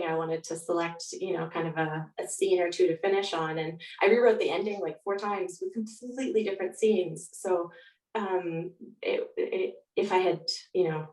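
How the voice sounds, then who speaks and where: Female guest author, reflective and thoughtful, slightly low voice, recorded distant in an echoey room. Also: darkish tone. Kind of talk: reflective interview answers and reading aloud. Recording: roomy echo, distant mic.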